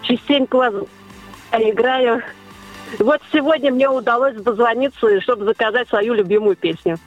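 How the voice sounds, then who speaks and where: A woman calling in to a radio show, speaking haltingly over a metallic, robotic-sounding phone line. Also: a little high, soft background music. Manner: halting, with hesitant pauses. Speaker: radio caller. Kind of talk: casual call-in greeting. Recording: muffled distant phone call.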